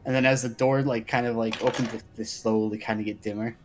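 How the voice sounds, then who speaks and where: A man's voice: medium pitch, fairly even intonation, a little fast, a little hiss or hum. A man chatting casually as a player in a tabletop roleplay game, describing what his character does. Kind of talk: casual, excitable game chat.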